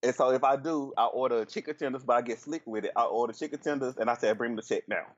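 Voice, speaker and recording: A man with a Southern US accent, a podcast guest telling frank, crude stories in animated casual chat. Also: mid-range voice, fast, lo-fi sound. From Southern United States.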